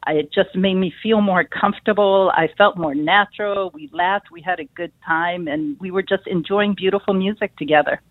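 A woman calling in to a radio show, speaking thoughtfully with pauses and fillers. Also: fairly low pitch, dry recording. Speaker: caller, clarinetist. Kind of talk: call-in talk over phone. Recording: dry tinny phone line.

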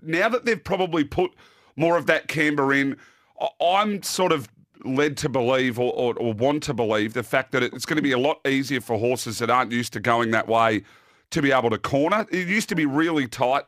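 A man's voice: mid-range voice, moderate pace, a bit bright, dry recording, clean studio sound. An Australian-accented man hosts a sports preview show in a mid-range voice with very little room sound. His presenting is casual and full of jokey banter. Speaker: host.

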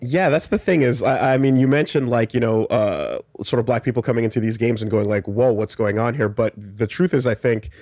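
A man speaking in a measured, thoughtful way in a casual group discussion, hedging his points. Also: mid-range voice, darkish tone, no echo, studio quality. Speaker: podcast panelist.

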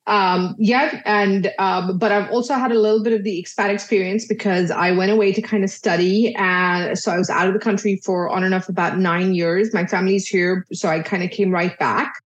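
A woman's voice: mid-range voice, steady tone, moderate pace, hardly any pauses, dull audio. A woman psychologist in her thirties from Dubai, chatting casually in an interview with lots of fillers and little acted-out exchanges. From Dubai, UAE. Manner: chatty, many fillers, acts out family dialogue. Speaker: psychologist guest.

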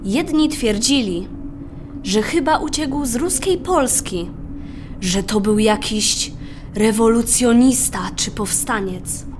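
A young female performer playing a storyteller, narrating a radio play in a measured way. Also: a little high, noisy background. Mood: reflective. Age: child or teenager. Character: storyteller recalling a mining town's rumours.

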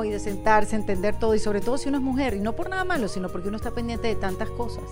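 A woman from Venezuela with a Venezuelan accent, speaking conversationally as a podcast host. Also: on the high side. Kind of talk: conversational interview and sponsor read.

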